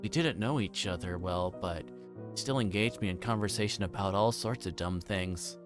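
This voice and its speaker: A man's voice: low-pitched, moderate pace, over music. A male streamer narrating a visual novel aloud, adding his own casual asides.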